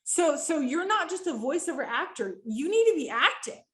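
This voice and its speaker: A woman who works as an animator and voice-over coach teaches a virtual workshop. She talks in quick, lively bursts with frequent fillers and speaks directly to her audience. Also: sits high. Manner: addresses the audience directly and often.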